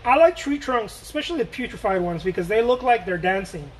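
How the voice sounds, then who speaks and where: A man's voice: high voice, lively intonation, a little fast, a little hiss or hum, rough recording. A man from Mexico chatting casually while he paints live, rambling and joking and answering viewer questions as he goes.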